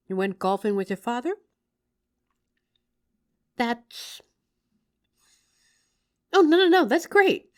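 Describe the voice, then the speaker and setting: Woman playing a loving tired wife home from work, teasing and affectionate, talking right to you, voice goes up and down a lot. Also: mid-range voice. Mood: surprised, relieved. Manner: affectionate, playful, expressive. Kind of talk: intimate roleplay audio addressed to listener.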